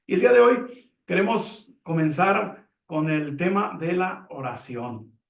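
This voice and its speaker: Calm man teaching in an echoey room. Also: sits high, creaky. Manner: calm, measured, explains with examples. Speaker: Catholic teacher on a program. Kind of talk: reflective religious teaching. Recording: echoey room, mic at a distance.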